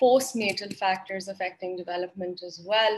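A woman keeps a moderate tempo, her pitch varying in an ordinary way. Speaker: university instructor. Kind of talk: lecture. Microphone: video call.

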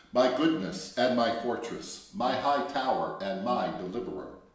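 Audible room echo surrounds speech at a fairly slow pace. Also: man. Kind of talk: liturgical psalm reading. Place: studio.

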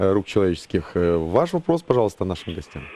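His voice has a dark, mellow tone and very wide pitch swings. The man talks at a fairly quick pace. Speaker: TV show co-host. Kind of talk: TV talk show. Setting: studio. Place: studio. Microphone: lapel.

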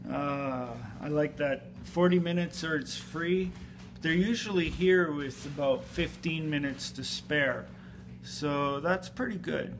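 Music plays behind a man who speaks at a very slow pace. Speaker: vlogger. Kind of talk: casual vlog chat. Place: home room. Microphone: phone near.

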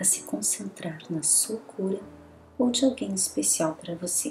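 Over music in the background, the soft-spoken voice moves at a fairly slow pace in a calm tone with ordinary pitch variation. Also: woman. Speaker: ASMR creator. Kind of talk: prayer reading, spiritual meditation. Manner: soft-spoken, calm.

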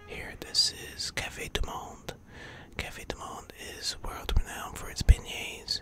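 Someone whispers at a fairly slow pace in a relaxed tone while music plays in the background. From New Orleans, Louisiana, USA. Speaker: local tour guide of his own city. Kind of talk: casual talk to camera, guided tour narration. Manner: soft-spoken, relaxed. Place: street. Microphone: phone near.

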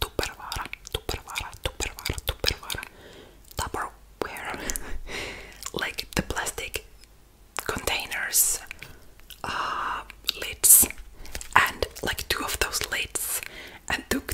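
A woman is whispering at a very slow pace. Her speech has long, frequent pauses. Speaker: ASMR creator. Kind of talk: ASMR rambling story to camera. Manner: soft, casual, chatty, rambling. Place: home room. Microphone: earbuds.

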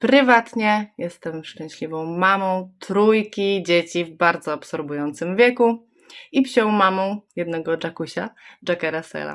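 A woman talks at a fairly slow pace in a normal speaking voice, with a medium pitch and ordinary pitch variation. Her loudness swings widely, on a very clean recording with a silent background. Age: 30s. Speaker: network marketing distributor, mother of three. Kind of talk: testimonial.

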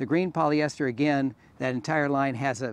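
Here a man speaks at a moderate pace. The sound is dry, with no echo. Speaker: company founder demonstrating product. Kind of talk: product demonstration talk. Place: open country.

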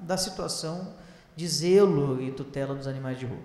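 This man's voice sits fairly high, with ordinary pitch variation, a moderate pace and audible room echo. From Rio Grande do Sul coast (Tramandaí); Rio Grande do Sul, Brazil. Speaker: state deputy and veterinarian. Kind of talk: public hearing presentation. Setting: council chamber public hearing. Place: hall. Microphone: handheld.

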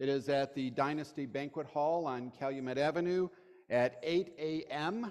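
A man speaks at a very slow pace with ordinary pitch variation. The background is quiet. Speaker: pastor. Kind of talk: church announcements. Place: church. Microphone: podium.

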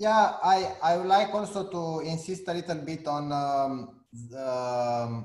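A man speaks with a Romanian accent. There is audible room echo. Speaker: university rector; conference panelist. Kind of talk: panel discussion. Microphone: video call.

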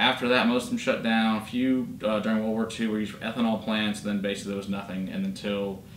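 A man with a fairly low pitch talks very fast in a monotone, flat intonation, with audible room echo and light background noise. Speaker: whiskey review host. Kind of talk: review commentary. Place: home room. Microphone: camera far.

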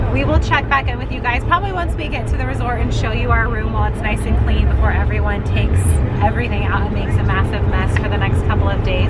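Music plays in the background while a woman speaks fairly quickly. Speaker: family vlogger. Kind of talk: casual vlog chat. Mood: relaxed, slightly nervous. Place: car.

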